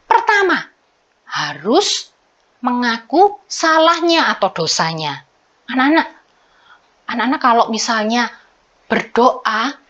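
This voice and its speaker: A woman teaching a Sunday school lesson to children, animated, often acting out children's prayers in a childlike voice. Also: a little high. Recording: dull lo-fi recording.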